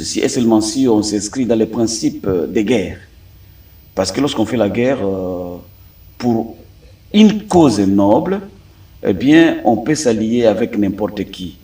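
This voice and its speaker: A Congolese man speaking as a political analyst in a debate, deliberate and emphatic, pausing often to hesitate. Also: fairly low pitch, warm tone, recorded from a distance. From Democratic Republic of the Congo. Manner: deliberate, frequent hesitations, rising emphatic stresses. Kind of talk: studio debate commentary.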